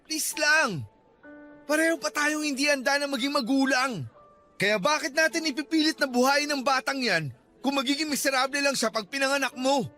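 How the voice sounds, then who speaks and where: An irritable, defensive student boyfriend in a radio drama. His voice is very high and bright for a man, exasperated and insistent, with faint music behind. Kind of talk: Tagalog radio drama acting.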